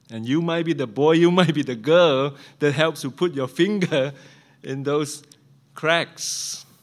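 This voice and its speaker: Speaking at a fairly slow pace with a non-native accent, a man uses a fairly high pitch and ordinary pitch variation in a very clean recording with a silent background. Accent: noticeable foreign. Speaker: visiting preacher. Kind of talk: sermon. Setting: church. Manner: hesitant, with fillers.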